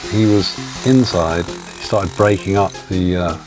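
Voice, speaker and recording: Low-voiced hoarse man, casual vlog. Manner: relaxed, halting, lots of "uh". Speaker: vlogger. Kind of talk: casual narration. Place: home studio. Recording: voice-over with music bed. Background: music.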